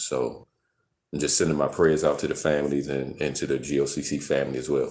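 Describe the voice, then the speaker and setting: A man with a very deep, low pitch and vocal fry, at a moderate pace. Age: 40s. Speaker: religious livestreamer. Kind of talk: unscripted live stream talk. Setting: live stream on Facebook and YouTube. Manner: monotone; halting, many fillers.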